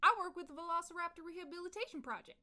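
High, bright, scheming female scientist villain played by an actress. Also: very fast, heavily acted. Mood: smooth persuasion. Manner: grandiose, falsely reassuring, blunt. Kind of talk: comedic audio drama acting.

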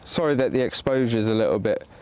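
A man's voice: medium pitch, expressive, fast talker, a little mellow, a little hiss or hum. A man hosting a bushcraft livestream outdoors in the woods, chatting casually with viewers while he demonstrates. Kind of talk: casual live commentary while working. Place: sunny woodland outdoors. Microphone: camera pointing down at his hands.

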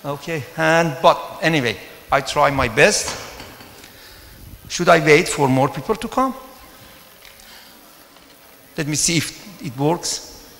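Holding a handheld microphone at the podium of a big conference hall, a middle-aged Iranian math professor with a Persian accent delivers an informal talk in a hesitant, stop-start way with many pauses. His voice sits a little high and has a fairly bright tone. The hall echoes with long reverb, and there's slight background noise.

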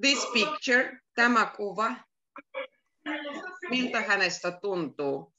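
Bright-voiced woman teaching beginners. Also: mid-range voice, expressive, muffled recording, a little hiss or hum. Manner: slow, repeats words and gives English glosses. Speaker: Finnish teacher. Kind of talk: online beginner language lesson.

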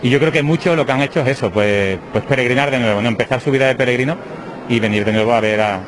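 A man's voice: medium pitch, fast talker, slight background noise, rough recording. A man, a parish priest answering interview questions in a heartfelt, thinking-aloud way, on a handheld mic inside a small chapel. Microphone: handheld reporter mic. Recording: clear chapel ambience behind.

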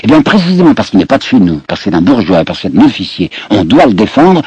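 A man's voice: lowish voice, sing-song, fast talker, a little mellow, slightly rough, no echo, heavily acted. A man voicing an impassioned male orator addressing parliament, with rising, emphatic delivery. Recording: dull lo-fi archive recording.

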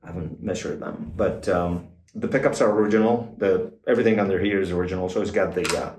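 An older man, a guitar expert guest, explaining in a casual, halting way with many fillers and restarts, in a small backstage room. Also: sits low, steady tone, darkish tone, recorded from a distance. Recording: roomy, off-mic, faint noise.

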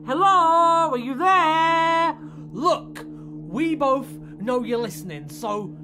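A man playing a quick-witted, exasperated time-travelling alien in an audio drama, with a brisk, wordy and wry delivery. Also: very high voice, animated, pushed and bright, soft background music, heavily acted. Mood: reluctant, pleading.

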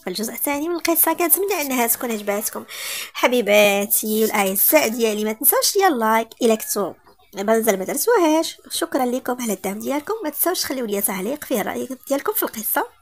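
Moroccan woman storyteller, quick, fairly high voice, reading aloud. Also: expressive. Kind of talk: narrating a romance story.

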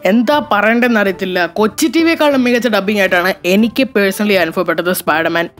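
A woman's voice: medium pitch, fast talker, soft background music. A woman from Kerala hosting a casual review vlog about film dubbing, chatting with frequent hesitation fillers and restarts.

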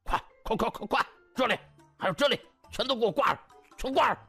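A man voicing a big fat blustering man, coarse and excitable, in a comic audiobook. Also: very high-pitched, fast, husky, soft background music, pitched above the performer's own voice, full character voice. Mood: bossy, urgent.

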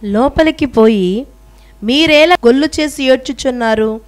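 A woman reading Bible passages aloud in a slow, measured, solemn recitation during a sermon. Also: high voice. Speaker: scripture reader.

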